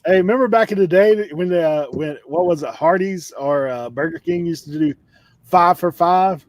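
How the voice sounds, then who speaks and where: A man's voice: high-pitched, moderate pace, dry recording. A man chatting in a laid-back way and chuckling through his stories. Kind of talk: casual chat.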